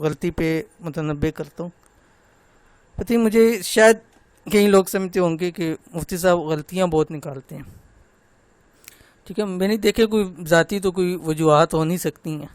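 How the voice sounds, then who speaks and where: Guy teaching tajweed online, slow drawn-out syllables, smooth voice, dry close sound. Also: high voice, no room sound. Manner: slow, drawn-out demonstration of syllables, then gentle personal talk. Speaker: Quran recitation teacher.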